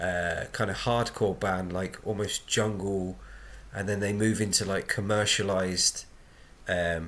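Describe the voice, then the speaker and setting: In a southern English accent, the speaker talks at a fairly slow pace with monotone, flat intonation. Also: man, fairly low pitch for a man. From southern England. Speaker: podcast co-host. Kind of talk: casual chat. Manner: halting, repeats words.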